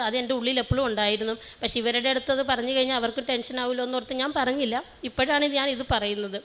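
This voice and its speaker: A middle-aged woman from Kerala sharing a heartfelt personal religious testimony, earnest and halting with restarts. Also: fairly high pitch, fairly bright tone. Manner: emotional, grateful. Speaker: testimony giver.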